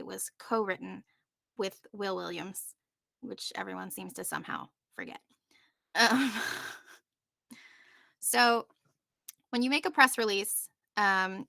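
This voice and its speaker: A woman's voice: mid-range voice, vocal fry, pushed and bright, no echo, studio quality. A woman presenting on a panel in an informal, chatty way, often breaking off into asides. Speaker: panelist presenting on podcast marketing.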